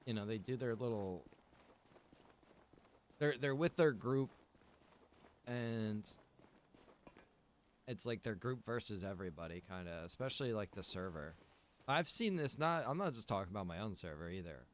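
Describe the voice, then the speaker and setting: A man's voice: lowish voice, animated, moderate pace, long pauses. A man past his early twenties chats casually on a gaming livestream, rambling informally and circling back over his phrases. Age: adult, past early twenties. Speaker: game streamer and server owner.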